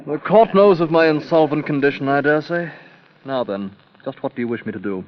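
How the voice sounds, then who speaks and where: A man's voice: fairly high pitch, fairly quick, natural voice. An actor playing a genial, spendthrift king with an amused, condescending courtly manner, in an old radio drama. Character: genial, wry, spendthrift adult male king. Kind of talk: 1930s radio drama acting. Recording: dull lo-fi old radio transcription.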